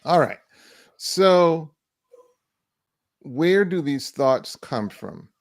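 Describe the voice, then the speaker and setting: A man co-hosting a mental health talk show, answering a viewer's question in a measured way and repeating key phrases for emphasis. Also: a little high, sing-song, vocal fry, dry recording.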